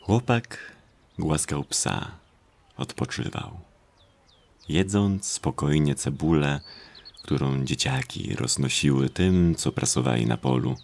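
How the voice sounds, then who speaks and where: A man narrating a horror audio drama in a brooding way, in short, pause-laden phrases. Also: rumbling low, vocal fry, darkish tone. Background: atmospheric sound effects.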